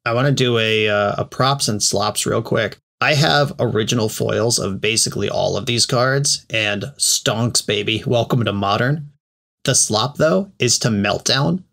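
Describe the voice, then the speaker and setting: A man co-hosting a podcast, talking in a relaxed, chatty and slangy way. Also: fairly low pitch, unhurried, gravelly. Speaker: podcast co-host. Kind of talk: casual podcast chat.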